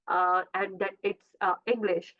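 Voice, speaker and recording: A woman whose first language is Urdu gives a career coaching talk over a video call, often pausing with fillers and correcting herself mid-sentence. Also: mid-range voice, little pitch movement. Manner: repeats and self-corrects, frequent uh fillers. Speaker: career coach presenting a webinar. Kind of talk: informal presentation with slides. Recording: tinny phone-like video call audio.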